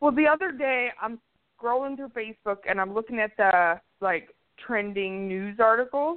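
The speaker has an American accent and talks at a moderate pace. The intonation is lively. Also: woman, fairly high pitch for a woman. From Florida. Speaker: podcast co-host. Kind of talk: casual chat. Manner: laughing, animated.

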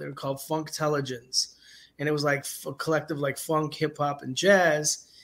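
A plain, everyday voice from a man with an American accent, fairly high in pitch, at a moderate pace. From Michigan, Ann Arbor. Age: 40s. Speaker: music manager and promoter. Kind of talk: casual interview.

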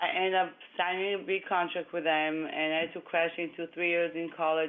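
Speaking fairly quickly in an Israeli accent, a man holds a fairly high pitch in a monotone, flat intonation. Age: 20s. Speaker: actress and model. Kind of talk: casual interview chat. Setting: phone call.

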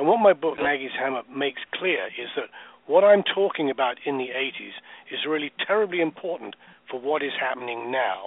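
With a British accent, a man speaks at a moderate pace with lively intonation. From southern England, west of London. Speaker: author. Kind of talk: radio interview, book talk. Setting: remote call.

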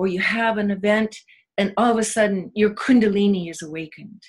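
The woman's voice is fairly high and somewhat breathy. She goes at a moderate pace, and her pitch varies in an ordinary way. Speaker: author and artist. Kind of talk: interview.

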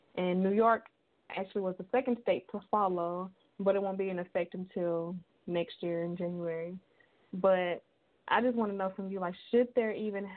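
The woman has an unremarkable speaking voice at medium pitch. She keeps a moderate pace and fairly even intonation. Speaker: radio host. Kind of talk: radio talk show. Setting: radio studio.

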